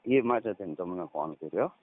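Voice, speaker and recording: A man's voice: sits low, expressive, fairly quick, dry recording. Saurashtra Gujarati man on a tinny phone. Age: 30s. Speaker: caller, farmer. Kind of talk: casual phone conversation. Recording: tinny, narrowband phone call recording.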